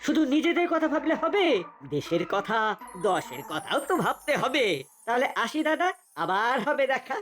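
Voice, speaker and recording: Sly cartoon boy: cocky, breezy, highly animated intonation on a raised pitch. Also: moderate pace, noisy background. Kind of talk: cartoon voice acting. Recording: music behind the voice.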